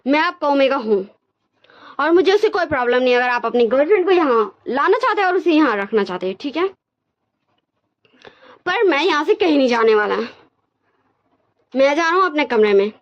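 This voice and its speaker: A woman's voice: high voice, big pitch swings, a little fast, long pauses, voice pushed up. A woman voicing a timid young married man who stammers and pleads, tearful and scared, in a dull lo-fi recording. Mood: firm angry.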